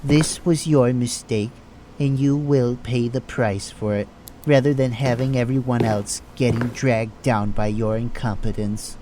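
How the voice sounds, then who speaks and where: A man's voice: medium pitch, steady tone, a little slow, lightly acted. A man voicing a cold, stern hospital boss in an audio drama, speaking formally and bluntly. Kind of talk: amateur audio drama acting. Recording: noisy track.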